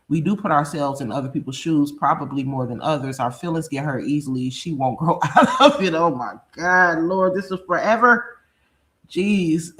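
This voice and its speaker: A woman in her thirties from Chicago, hosting a casual livestream and reading chat in a blunt, animated, profane way with frequent laughter. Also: deep voice.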